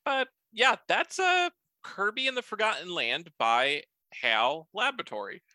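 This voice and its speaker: A man with a very bright, tense voice chats on a podcast, his pitch swinging all over in a lively, jokey delivery. The sound is close and dry. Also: a little slow, no echo. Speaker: podcast co-host. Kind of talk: casual podcast chat.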